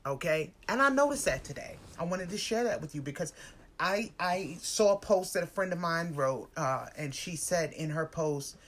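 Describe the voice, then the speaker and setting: A woman's voice: on the low side, animated, normal speed. A woman in her forties with an American accent, hosting a casual, motivational live stream in a conversational, emphatic way, often repeating phrases for stress. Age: 40s. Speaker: spiritual lifestyle live-stream host.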